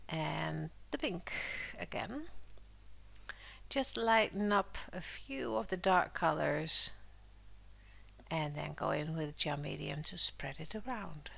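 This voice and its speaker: A woman hosting a casual art journaling tutorial, a little under the weather, her voice squeaky in places, talking through her steps in a chatty, relaxed way with fillers. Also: slow pace, creaky, long pauses. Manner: chatty and relaxed, with frequent fillers and soft laughs. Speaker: art journaling channel host. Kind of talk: casual craft tutorial voice-over.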